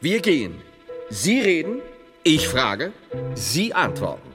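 A devout medieval monk philosopher in a stage-like drama, with a fairly high voice that swings dramatically. He declaims his arguments deliberately, curious and sure of himself, over clearly audible music. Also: huge pitch swings, long reverb tail, full character voice. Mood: fervent, resolute. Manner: declamatory, deliberate, scholarly, drawn-out emphatic phrases. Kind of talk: theatrical German dialogue drama.

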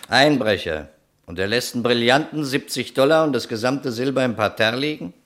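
A man acting a sharp, sceptical homicide investigator in a radio crime drama, blunt and sardonic. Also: medium pitch, lively intonation, fairly quick, close to an everyday voice. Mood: sceptical, probing. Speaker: actor in a radio crime play.

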